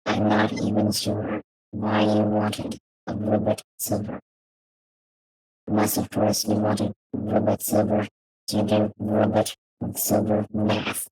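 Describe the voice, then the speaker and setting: A solemn robot voice, stiff and formal, utterly level in pitch and unhurried. The robot filter leaves a husky, grainy edge on every word. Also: female voice, completely flat delivery, darkish tone, no echo, exaggerated voice, low-quality recording. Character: solemn self-important robot bent on fighting shadows. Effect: robot voice changer filter. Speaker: game streamer.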